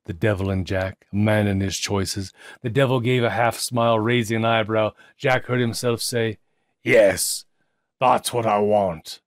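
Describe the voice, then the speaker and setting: A man reads a literary story with theatrical emphasis and deliberate pauses. His voice sits fairly low. The recording is dry and close, with little room sound. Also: steady tone, dry recording. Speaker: audiobook narrator.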